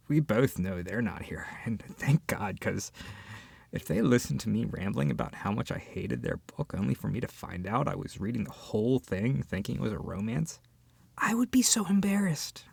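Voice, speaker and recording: Expressive, husky voice of a flustered book-clubber. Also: medium pitch, no room sound. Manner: expressive, hesitant, with sighs and whispered asides. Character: flustered, opinionated book club member, embarrassed but fair-minded. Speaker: ASMR roleplay voice actor. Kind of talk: scripted audio roleplay, acted as one side of a conversation addressed to the listener.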